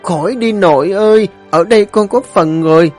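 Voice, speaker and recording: A man's voice: high-pitched, normal speed, a little mellow, faint music behind, voice pushed up, natural voice. A man voicing a cheerful, chatty five-year-old boy, eager and sweet-talking.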